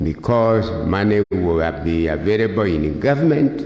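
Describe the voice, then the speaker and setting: Audible room echo surrounds a man speaking at a very slow pace. His very deep, low voice has lively intonation. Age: 70s. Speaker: politician. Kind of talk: political rally speech.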